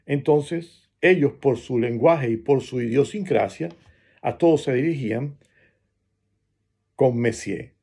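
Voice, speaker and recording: A man from Venezuela with a Venezuelan Spanish accent, giving a reflective spoken essay and pausing often between phrases. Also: mid-range voice, creaky, dark tone, slightly rough.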